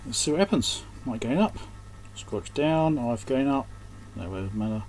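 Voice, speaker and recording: A very noisy recording captures a medium-pitched, expressive man speaking at a moderate pace. He is the technician and host at an indoor electronics repair workbench, muttering off-the-cuff fragments as he works.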